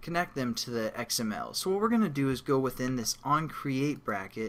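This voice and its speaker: This is a man speaking at a medium pitch. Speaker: programming tutorial instructor. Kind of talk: tutorial. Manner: fast; casual.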